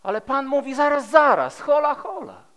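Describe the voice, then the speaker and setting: A male preacher in his fifties delivers a sermon in a high, forceful voice that rings with long reverb in a large church hall. His delivery is emphatic and rhetorical, built on repeated phrases. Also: sing-song, moderate pace. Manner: emphatic, rhetorical, with repeated phrases and dramatic swings between loud and hushed.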